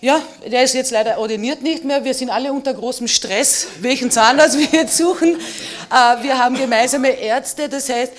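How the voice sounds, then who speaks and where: A woman's voice: high voice, moderate pace. A middle-aged woman, a native Slovene speaker, giving an emphatic and personal statement as a historian on a panel.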